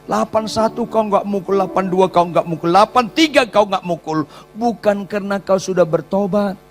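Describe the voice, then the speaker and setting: A man voicing God, who speaks patiently and gently corrects a man. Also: sits high, normal speed, soft background music, voice pushed up. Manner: calm, patient, instructive.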